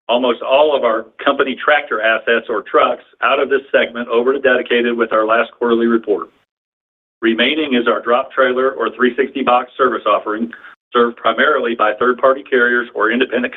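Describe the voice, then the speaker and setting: Phone-line audio, male executive, mid-range pitch, scripted earnings remarks, formal, measured. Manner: formal, measured corporate delivery. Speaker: company executive. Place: telephone conference call. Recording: narrow tinny phone-line sound.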